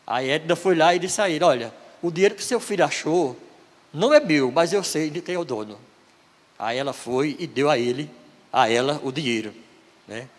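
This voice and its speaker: A middle-aged man, telling a personal testimony in a sermon with hesitant restarts. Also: fairly high pitch. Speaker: presbyter preaching. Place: church hall. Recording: reverberant church hall.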